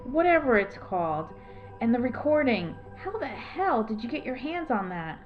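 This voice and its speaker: A woman's voice: fairly high pitch, big pitch swings, normal speed, soft background music. A woman playing a protective, anxious townswoman in an audio drama, urgent and scolding, with exasperation in her delivery. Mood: worried, scolding. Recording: dull, muffled lo-fi sound.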